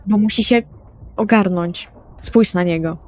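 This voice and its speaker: A woman's voice: mid-range voice, a little slow, darkish tone, voice pushed down, lightly acted. A woman voicing a blunt, bossy supernatural female character in a tabletop game, curt and dry. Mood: dry, firm.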